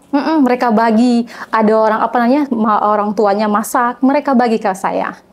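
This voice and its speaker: Fairly high-pitched and fairly quick, a woman speaks with hardly any pauses, her intonation fairly even and her loudness very even. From Mentawai, West Sumatra, Indonesia. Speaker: university student. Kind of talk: interview, personal story. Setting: studio. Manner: halting, many fillers.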